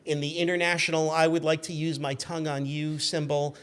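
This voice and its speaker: A man in his fifties telling anecdotes in an animated, chatty way as a podcast guest. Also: on the high side, a little fast. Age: 50s. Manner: chatty, acts out quoted shouts. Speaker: podcast guest, magazine editor.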